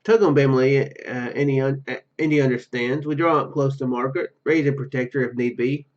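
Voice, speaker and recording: A gaming video host with a mid-range, steady voice reads story narration aloud for a let's play, moving briskly and stumbling over words. He adds casual asides, and the recording is muffled.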